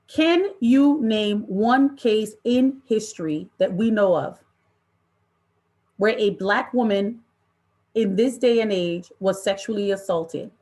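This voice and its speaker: A woman presenting an interactive online training session in an impassioned, deliberate way, with emphatic repetition and rhetorical questions. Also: medium pitch, darkish tone. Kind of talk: impassioned interactive workshop talk to an online audience.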